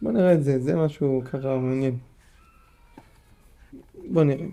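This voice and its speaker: A man's voice: medium pitch, vocal fry, warm tone. A man giving a Torah lesson, reading from a Hasidic text and explaining it patiently to his listeners, often repeating phrases. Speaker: teacher of Hasidic texts.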